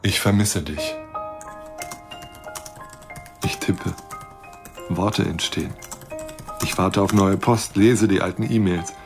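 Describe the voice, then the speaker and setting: A lonely astronomer yearns for love yet mistrusts it in a radio drama. His voice is on the low side and earnest, with music clearly playing behind it. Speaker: actor. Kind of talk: German radio drama acting.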